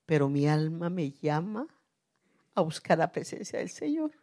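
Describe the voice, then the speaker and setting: Una predicadora de mediana edad con acento guatemalteco, que predica con fervor en una iglesia y pasa de apartes suaves a exclamaciones fuertes. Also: female voice, sits low, very animated, measured pace. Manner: fervent, swings from soft asides to loud cries. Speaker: preacher. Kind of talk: sermon. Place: church.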